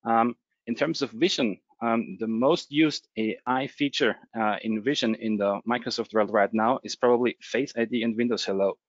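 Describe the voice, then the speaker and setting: Male presenter, mid pitch, relaxed filler-heavy delivery, dry muffled online-call sound. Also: moderate pace, no echo. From Austria. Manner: relaxed, many fillers and restarts. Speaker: webinar presenter. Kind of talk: technical presentation.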